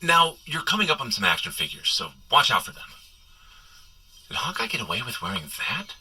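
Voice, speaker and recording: Bright, animated, bumbling superhero. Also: male voice, medium pitch, fairly quick, husky, full character voice, rough recording. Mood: wry, cautioning. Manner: rambling, sheepish, nervously joking asides. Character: flustered, wisecracking, bumbling male superhero coaching a runner. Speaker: character guide in an audio running adventure. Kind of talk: comedic audio drama monologue.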